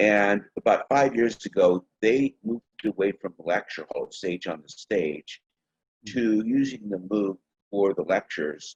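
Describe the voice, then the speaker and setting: A man talks at a fairly slow pace with a fairly low pitch and an ordinary speaking voice. The sound is dry and close, with no echo. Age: 60s. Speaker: engineer, meeting participant. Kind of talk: group discussion.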